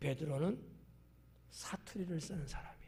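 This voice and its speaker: The recording is very clean with a silent background, and the speech moves fairly slowly. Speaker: pastor. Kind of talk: sermon. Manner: animated.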